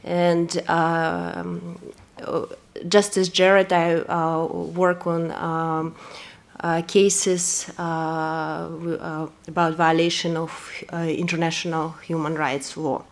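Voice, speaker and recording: A woman's voice: fairly low pitch, level tone, slow pace, vocal fry. A woman from Kazakhstan, a lawyer giving an earnest, hesitant introduction at a press event, full of fillers. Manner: earnest, personal testimony.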